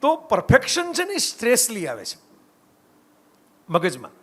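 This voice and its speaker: A middle-aged man from Gujarat, India, has a very high, husky voice with wildly swooping pitch and speaks a little slowly. In his storytelling public talk, he mixes stories with reflection conversationally and keeps asking the audience "right?"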